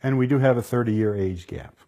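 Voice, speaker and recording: A man's voice: mid-range voice, brisk, music in the background. A man in his fifties speaking candidly in a documentary interview. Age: 50s.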